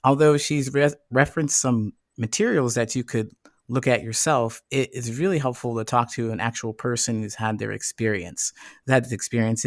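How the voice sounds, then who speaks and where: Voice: medium pitch, no echo, studio quality. A podcast host chatting casually in an encouraging, upbeat and affirming manner. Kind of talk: casual interview chat.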